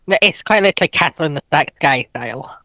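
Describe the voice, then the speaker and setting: A man's voice: a little high, expressive, fast, sharp tone, dry recording. A man explaining points casually as a panelist in a discussion.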